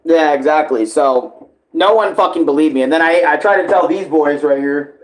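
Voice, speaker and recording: A man's voice: a little high, normal speed, poor audio. A man doing casual live reaction commentary as a streamer, talking in slang with a lot of swearing.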